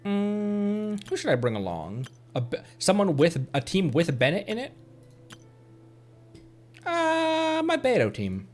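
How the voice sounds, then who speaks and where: A man's voice: on the high side, huge pitch swings, normal speed, hardly any pauses, a little mellow. A man streaming a game, giving casual, playful, rambling commentary. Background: game music.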